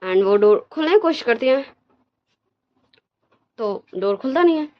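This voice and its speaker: A woman's voice: on the high side, animated, a little slow. A woman narrating a fan fiction story casually, in a conversational, retelling way. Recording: dull lo-fi recording.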